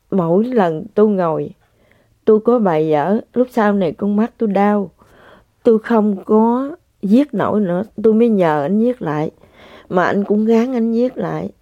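A spiritual practitioner, an older woman with a mid-range voice, earnestly tells her listeners about her personal spiritual experience and keeps repeating herself. There's no room sound, but the recording is dull and lo-fi.

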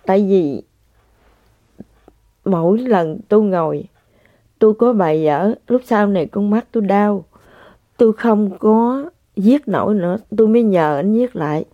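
An older woman giving an emotional, halting spiritual testimony to listeners, often repeating herself. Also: mid-range voice, expressive, no echo. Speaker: religious practitioner sharing testimony. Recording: dull lo-fi sound.

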